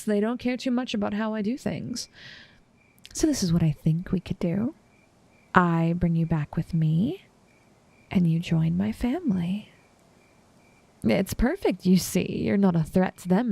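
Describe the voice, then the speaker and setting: A woman playing an infatuated assassin in an intimate audio roleplay, composed and menacing yet tender, speaking softly and often slipping into whispers. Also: mid-range voice, gravelly, no room sound. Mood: softly persuasive. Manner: soft, unhurried delivery slipping often into whispers.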